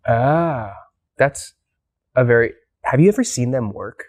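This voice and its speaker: A man's voice: mid-range voice, lively intonation, a little slow. A man who grew up in the United States, hosting a casual interview. He asks curious, rambling questions with many restarts. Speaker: talk show host.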